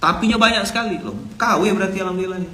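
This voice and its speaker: Chatty preacher with a bright voice. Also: male voice, high voice, very fast, a little hiss or hum. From Indonesia. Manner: chatty, storytelling, acts out dialogue. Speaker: ustadz preacher. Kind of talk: casual Islamic sermon. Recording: echoey room with faint ambience.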